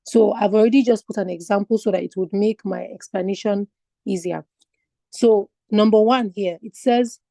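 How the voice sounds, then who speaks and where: A woman's voice: mid-range voice, dark tone, dry recording. A woman from Nigeria teaching an online finance exam lesson, explaining step by step and asking her class rhetorical questions. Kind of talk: online lecture.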